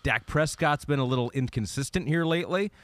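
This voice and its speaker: A man's voice: on the high side, a little fast, dry recording. Co-host, male, 30s, from Michigan, easygoing wry delivery, dry close mic. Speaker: podcast co-host. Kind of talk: casual sports chat, show rundown. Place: studio set with a round table. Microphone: desk microphone.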